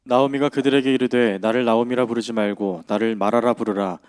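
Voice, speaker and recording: A man reading a scripture passage aloud in a measured, formal way. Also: mid-range voice, steady tone, darkish tone, clear, resonant tone, no room sound, studio quality.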